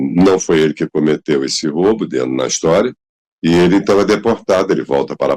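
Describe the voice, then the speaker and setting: Vocal fry in a man's very deep, low voice, delivered at a fairly quick pace. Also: dry, close sound with no echo. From Rio de Janeiro. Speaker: actor. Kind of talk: interview.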